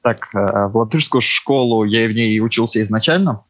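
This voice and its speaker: A young man with a Latgalian Latvian accent answers haltingly, full of fillers. His voice is low and close. The recording is dry and a little muffled. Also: dry recording. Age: young adult. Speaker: guest, university student. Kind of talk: casual talk.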